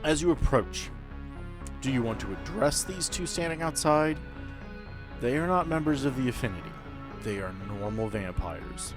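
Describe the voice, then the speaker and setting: A man acting as game master, narrating a tabletop role-playing game in a deliberate, descriptive way with pauses mid-sentence. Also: medium pitch, lively intonation. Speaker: game master and host of an actual-play podcast. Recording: background music under the voice.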